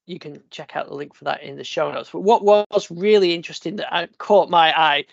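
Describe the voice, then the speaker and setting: A man's voice: a little high, brisk, creaky, no echo, lo-fi sound. A man hosting a casual tech podcast, sniffly from a cold, rambling with lots of fillers. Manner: rambling, many fillers and restarts. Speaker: podcast host.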